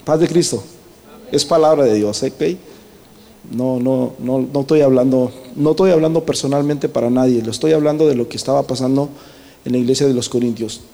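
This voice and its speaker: A man's voice: mid-range voice, a little fast, dark tone, in a large hall. A man preaching a church sermon, often checking in with the congregation and slipping the word "brother" into his Spanish. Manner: questions the congregation often, tagging lines with "¿verdad?". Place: church hall.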